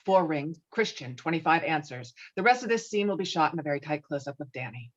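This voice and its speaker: Woman reading out a screenplay, a bit low voiced, slightly muffled audio. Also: animated, fairly quick. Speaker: narrator reading stage directions. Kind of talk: scripted narration at a table read.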